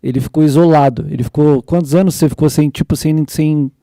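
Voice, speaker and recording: A young man hosting a casual church podcast, excitedly retelling scripture in slangy everyday speech. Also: on the high side, fairly quick, dry recording, studio quality. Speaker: podcast host.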